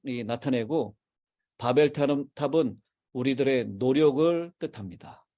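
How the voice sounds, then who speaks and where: A male pastor delivers a sermon from the pulpit of a church. His voice sits a touch high and he speaks in measured phrases, stopping to ask the congregation questions and wait for their answers. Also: dark tone. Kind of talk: sermon with congregation call-and-response. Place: church sanctuary.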